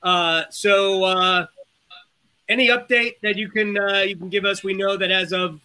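A man hosting a casual sports show, chatting with guests in a halting, hesitant way. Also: high-pitched, fairly even intonation, bright, forceful tone, clean tone.

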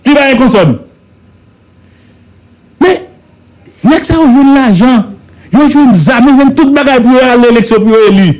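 A man with a Haitian accent and a strikingly high voice gives animated, brisk political commentary on a radio talk show, recorded in the studio. His tone is a little mellow, and he keeps reinforcing his points through repetition and rhetorical questions.

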